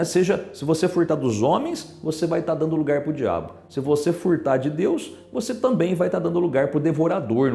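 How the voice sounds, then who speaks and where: Man, Brazilian Portuguese accent, pastor preaching, animated pitch, asks listeners questions, echoey room, soft music behind. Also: vocal fry. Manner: lively preaching, rhetorical questions and tag questions. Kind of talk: sermon.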